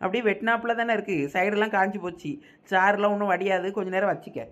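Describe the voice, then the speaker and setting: A woman voices a cartoon villager in a middle-pitched voice with a Thoothukudi Tamil accent. She talks fast, explaining herself and coaxing her friend. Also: steady tone. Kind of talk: cartoon voice acting.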